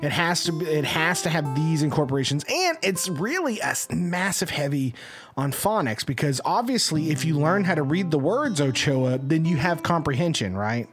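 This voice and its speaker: A man with a somewhat high voice co-hosting a podcast. He argues his points with animation and keeps checking in with tag questions. The tone stays casual and conversational throughout. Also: sing-song, moderate pace, over music. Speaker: podcast co-host.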